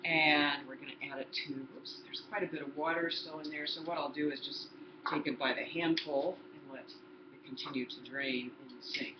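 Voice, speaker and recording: A sixtysomething woman teaches home cooking from her kitchen, chatting as she explains each step to the viewer. Her voice is low, steady, and moderately paced, recorded through a laptop's built-in mic with roomy, dull lo-fi sound and background noise.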